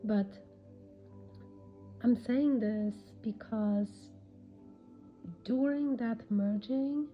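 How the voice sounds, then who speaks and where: Slow, hushed, raspy woman with a cold. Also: on the high side. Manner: hushed, hesitant, with long pauses. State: has a cold, irritated throat. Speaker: spiritual podcast host. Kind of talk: unscripted spiritual guidance talk. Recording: dull lo-fi audio with background music. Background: music.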